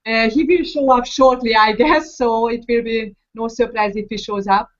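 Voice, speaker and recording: Hungarian-accented woman, mid pitch, hesitant, dull call audio. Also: steady tone, normal speed. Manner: hesitant, many fillers. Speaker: guest mother. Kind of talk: casual call self-introduction. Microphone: video call.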